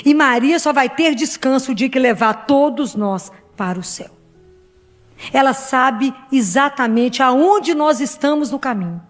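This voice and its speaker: A woman's voice: sits high, expressive, measured pace, faint music behind. A middle-aged woman preaching a heartfelt sermon to her congregation. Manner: earnest, heartfelt, speaks directly to the congregation.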